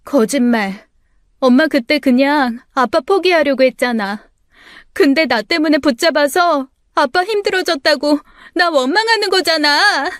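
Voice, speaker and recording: Story-radio figure: a grieving young woman, shrill and high outbursts, acted by a woman narrator. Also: a little slow, dry recording, studio quality. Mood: anguished. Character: young woman in grief, screaming, self-blaming.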